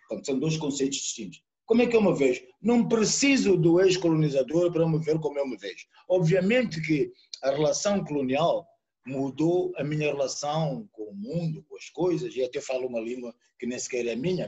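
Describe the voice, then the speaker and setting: A Mozambican poet and sociologist, with a Mozambican Portuguese accent, gives a reflective, lecture-style guest talk live online from home over a computer or phone mic on a video call. He pauses to search for words and repeats them while thinking. His voice is on the high side and a little mellow.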